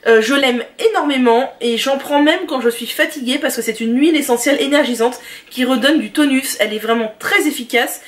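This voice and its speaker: A beauty and lifestyle vlogger with a high voice chats enthusiastically about her favorite products at home, a casual review monologue. She often pauses on small fillers. Her voice sounds distant from the mic.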